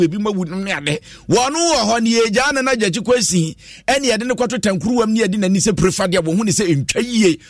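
A man's voice: high voice, no echo, clean studio sound. A Ghanaian man presenting the news on radio in a rhythmic, sing-song way. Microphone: studio microphone.

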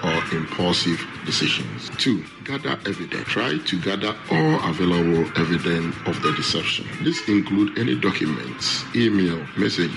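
A man's voice: low-pitched, creaky. A man reading a scripted list of advice as an official. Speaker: fraud investigation official. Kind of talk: scripted advisory statement.

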